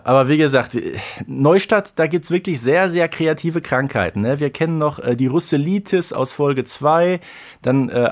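A man co-hosting a podcast in relaxed casual chat, often ending sentences with a quick tag question. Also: medium pitch. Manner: relaxed, tags on "ne?". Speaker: podcast co-host.

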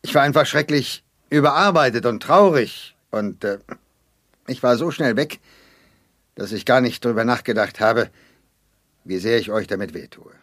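An actor playing a middle-aged, bumbling and soft-hearted father in a children's audio drama, speaking in an earnest, hesitant way. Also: mid-range voice, normal speed, dry recording, clean studio sound, lightly acted. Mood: remorseful, pleading. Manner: hesitant, hemming and hawing.

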